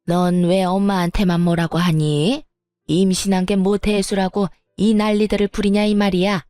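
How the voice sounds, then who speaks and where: A spiteful older mother-in-law scolds and mocks in a storybook drama, as a woman narrator voices her. Her voice sits warm and mellow, recorded dry and close. Faint music plays underneath. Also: fairly low pitch, no echo, natural voice. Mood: sneering. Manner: sneering, bullying, sarcastic.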